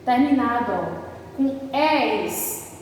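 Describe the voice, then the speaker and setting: Female teacher, high pitch, slow deliberate delivery, long reverb, faint background hiss. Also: lively intonation. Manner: slow, drawn-out spelling of examples, constant "certo?" checks. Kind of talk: recorded online class. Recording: distant echoey room recording, faint background noise.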